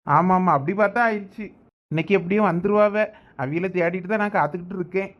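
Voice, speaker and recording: A woman with a Thoothukudi Tamil accent talks quickly and briskly, reassuring the others in a village comedy skit. The recording sounds dull and lo-fi. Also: on the low side.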